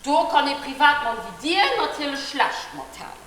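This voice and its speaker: A woman's voice: high voice, lively intonation, moderate pace, fairly bright tone. Woman playing a smug political fixer. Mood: sly. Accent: Luxembourgish. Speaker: cabaret actor. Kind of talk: live stage cabaret sketch. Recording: echoey tent stage recording with hiss.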